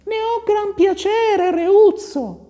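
A man voicing a clever, sly young noblewoman in a high, teasing falsetto. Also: slow pace, warm tone. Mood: coy.

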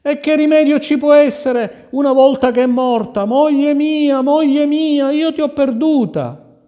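A man's voice: very high-pitched, a little slow, long reverb tail, voice pushed up. A wailing heartbroken king. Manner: loud anguished crying out. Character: grieving middle-aged male king, wailing in despair.

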